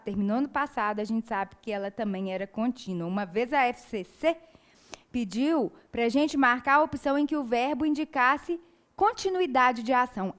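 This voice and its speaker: A woman with a slightly high voice and a Brazilian Portuguese accent teaches an exam-prep grammar lesson. She explains things step by step and often checks in with short tag questions.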